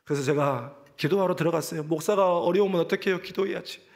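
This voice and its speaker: A male pastor delivers an impassioned sermon in a church sanctuary. His voice sits notably high. He swells into loud emotional peaks, then sinks to hushed, whispered lines. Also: fast.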